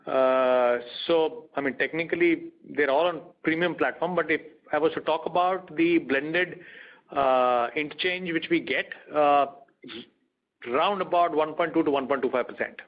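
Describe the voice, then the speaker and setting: A man's voice: fairly high pitch, a little slow. A man with an Indian accent, a bank executive explaining figures matter-of-factly on an earnings call. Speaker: bank retail business executive. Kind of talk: earnings call question and answer. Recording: dull conference call audio.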